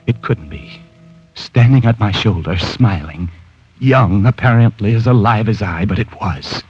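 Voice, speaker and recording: A man's voice: fairly low pitch, a little slow, a little mellow, slightly rough, no echo, faint music behind. An actor playing a haunted, guilt-ridden man who stammers tensely, narrating and speaking in an old radio drama, recorded as a dull old radio broadcast. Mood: brooding. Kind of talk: 1940s radio acting.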